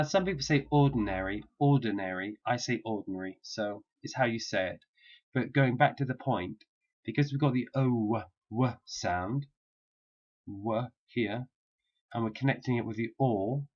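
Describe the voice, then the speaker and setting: A man teaching a pronunciation lesson, repeating sample phrases slowly and patiently for learners to copy. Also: mid-range voice, lo-fi sound. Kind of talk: slow, drilled pronunciation lesson.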